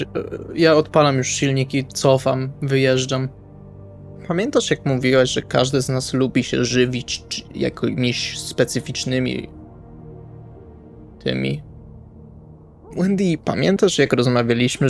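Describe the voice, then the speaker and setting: A man's voice: mid-range voice, creaky. A man playing a blunt, exasperated male vampire in an improvised tabletop roleplay, speaking colloquially and hesitantly, with music behind him. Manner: colloquial, swearing, hesitant phrasing.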